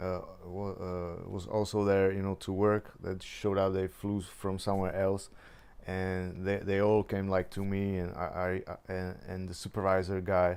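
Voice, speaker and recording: Here a man talks with very deep, low pitch. His intonation is monotone and flat. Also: moderate pace. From Czech Republic. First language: Czech. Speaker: vlogger. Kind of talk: personal storytelling monologue. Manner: halting, many fillers and repetitions.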